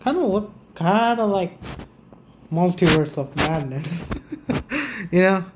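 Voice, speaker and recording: A woman's voice: lowish voice, animated, slow, noisy background. A woman gaming streamer reacting casually to gameplay in an informal, repetitive way. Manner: informal, repeats herself.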